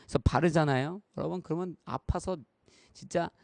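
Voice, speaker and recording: A pastor in his thirties delivers a sermon in an earnest, conversational way, speaking straight to the congregation and weaving in stories from his own life. His voice sits a touch high for a man, with a gravelly, fry-tinged edge and a mellow, dark tone. The sound is dry and close, with little room echo. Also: a little fast. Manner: addresses the congregation directly and repeatedly. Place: church.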